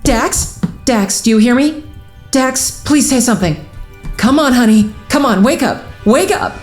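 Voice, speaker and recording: A woman's voice: on the high side, animated, a little slow, darkish tone, faint music behind. A woman playing a skeptical, rational friend in an audio drama, wordy and precise in how she argues. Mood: frightened, urgent.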